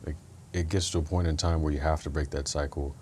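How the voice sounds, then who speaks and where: A man hosting an interview, affirming his guest and speaking in a steady, pointed way. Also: very deep voice, fast talker, slight background noise. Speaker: podcast host. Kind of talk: conversational interview.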